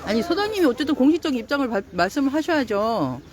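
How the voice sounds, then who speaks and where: A woman's voice: sits high, very animated, quick pace. A woman at an outdoor protest who scolds the police, insistent and repeating her demands. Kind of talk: heated street confrontation.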